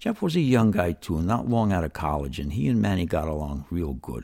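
Speaking with a New York accent, a man has a very deep, low pitch and a dark, mellow tone. His intonation is lively and his pace moderate. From New York City. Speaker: storyteller and artist. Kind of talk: personal storytelling. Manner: conversational.

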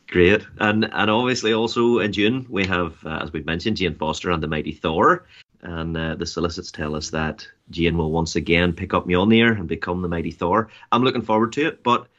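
Over a quiet background, a man with a Northern Irish accent speaks at a fairly quick pace. His intonation is lively. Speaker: podcast co-host. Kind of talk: casual interview.

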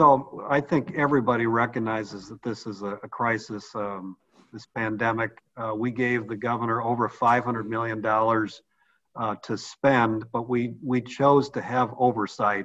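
Against a quiet background, a man with a normal speaking voice talks at a fairly slow pace, with fairly even intonation but big swings in loudness. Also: medium pitch for a man. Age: 60s. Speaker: state senate majority leader. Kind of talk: political interview. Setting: video call from his kitchen table.

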